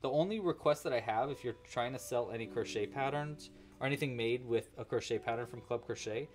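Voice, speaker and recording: A man's voice: mid-range voice, a little fast, soft background music. A young man hosting a casual livestream crochet tutorial from a home studio. He chats with viewers, thanks donors and counts his stitches aloud as he works.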